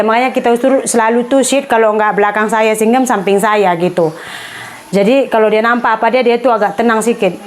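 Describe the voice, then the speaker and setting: A woman chatting casually to camera as a vlogger, slipping English words into her talk. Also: on the high side.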